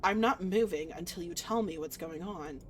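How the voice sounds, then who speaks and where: A woman's voice: on the low side, moderate pace, slight background noise, voice pushed down, natural voice. A woman voicing a wary human protagonist in a visual novel, indignant, questioning and sarcastic. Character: wary, defiant, sarcastic human trapped in Limbo.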